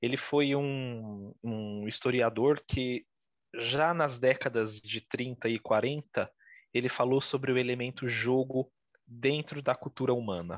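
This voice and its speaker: Delivery is very slow, with fairly even intonation. The sound is dry with no echo, over a quiet background. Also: man. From Brazil. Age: 30s. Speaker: lawyer and researcher; lawyer. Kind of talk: interview. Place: home room. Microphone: video call.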